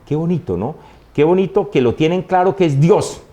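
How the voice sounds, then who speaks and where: A man, a priest and invited guest, telling personal stories in an animated, conversational way, often laughing and acting out his mother's words. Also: on the high side, normal speed. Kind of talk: conversational storytelling.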